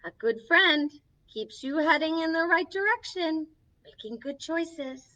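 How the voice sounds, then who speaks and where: A woman's voice: high voice, animated, measured pace, pushed and bright, exaggerated voice. A woman playing Snow White as a sweet, encouraging young princess, hosting a children's story time with sing-song, reassuring delivery, recorded from a distance with slightly dull sound. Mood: gentle, cheerful. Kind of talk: children's storytelling, reading a picture book aloud.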